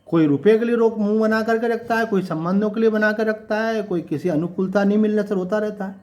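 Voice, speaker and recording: A man giving a conversational devotional sermon, asking his listeners rhetorical questions and reciting couplets slowly. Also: high-pitched, a little mellow. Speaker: swami giving a Gita discourse.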